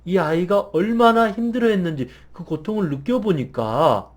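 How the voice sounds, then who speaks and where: A man, a counselor, telling an earnest, emotional personal story that swings from hushed to intense. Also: sits high, expressive, normal speed. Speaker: meditation and hypnosis counselor.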